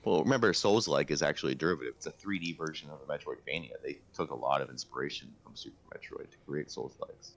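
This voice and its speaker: A man's voice: rumbling low, quick pace, vocal fry, few pauses, rough recording. A man co-hosting a casual podcast, talking about video games in an emphatic, enthusiastic way. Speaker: podcast co-host. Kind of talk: casual video game discussion.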